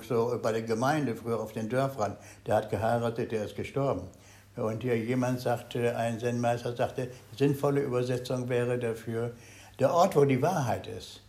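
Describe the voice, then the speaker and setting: Older man giving a halting meditation talk. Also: mid-range voice. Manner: halting, searching for words, swings between loud and very soft. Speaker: Zen meditation teacher. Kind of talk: dharma talk to a meditation group.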